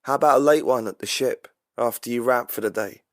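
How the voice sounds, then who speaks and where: A man's voice: mid-range voice, a little fast, no room sound, close to an everyday voice. A man voicing a dry, teasing young woman on a film crew, speaking sardonically in a raised voice. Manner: sardonic, mocking.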